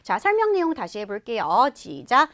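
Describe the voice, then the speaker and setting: A woman teaching a speaking lesson, explaining stress and vowel length patiently and modeling English sentences slowly. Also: fairly high pitch, huge pitch swings, fairly bright tone. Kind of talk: online lecture.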